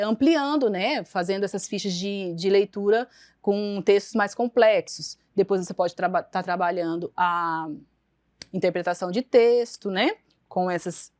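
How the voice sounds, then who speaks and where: A woman's voice: medium pitch, no room sound, studio quality. A woman teacher giving a recorded online lecture with a Brazilian Portuguese accent, explaining step by step with frequent tag questions and restarts.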